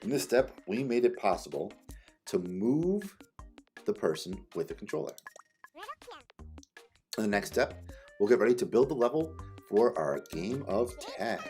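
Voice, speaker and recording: A man's voice: lowish voice, big pitch swings, normal speed, pauses often, a little mellow, faint music behind. A man reading lesson directions aloud as a teacher, with playful exclamations and casual asides. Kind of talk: animated read-aloud tutorial with casual asides.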